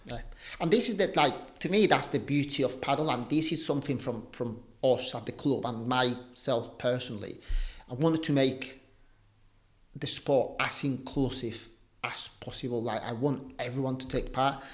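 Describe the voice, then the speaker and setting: In a laid-back interview, a young padel coach from Spain talks at a normal speed with a medium-pitched voice. He's chatty and leans heavily on fillers such as "um" and "like."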